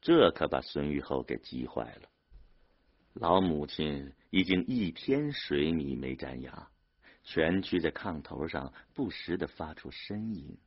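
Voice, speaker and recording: A man narrating a novel as an expressive audiobook reader. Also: a bass voice, a little slow. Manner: expressive storyteller. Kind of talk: dramatic audiobook reading. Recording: dull lo-fi audio.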